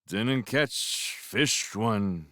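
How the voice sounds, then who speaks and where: A man's voice: medium pitch, sing-song, takes it slowly, clear, resonant tone, no room sound, clean studio sound, pitched above the performer's own voice. A man voicing a soaked, very drunk fisherman who scolds people with theatrical mock outrage. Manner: slurred, theatrical, shouting.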